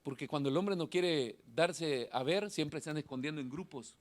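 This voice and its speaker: Middle-aged pastor guy, thin nasal voice, goes from yelling to quiet asides, preaching in a church. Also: fairly high pitch, normal speed. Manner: animated, swings from shouting to quiet asides. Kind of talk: sermon. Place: church hall.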